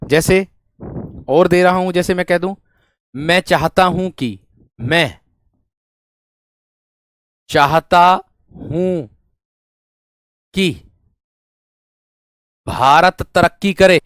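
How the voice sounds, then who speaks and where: The voice is a man's, high-pitched and fairly bright, delivered extremely slowly with long pauses in clean studio sound with no echo. He is a Hindi grammar teacher leading a class, dictating example sentences, repeating phrases, and often using familiar rhetorical questions to check that students follow.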